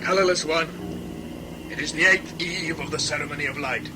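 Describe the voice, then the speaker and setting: An actor playing a stern, commanding tribal chief who speaks in solemn, declamatory, archaic language in an audio drama. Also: male voice, on the high side, normal speed, noisy background, natural voice. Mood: ceremonial.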